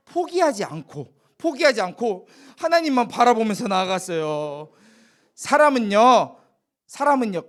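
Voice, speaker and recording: A man preaching a children's sermon, telling a Bible story and asking the children questions as he goes. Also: extremely high pitch. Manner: animated, asks the children questions.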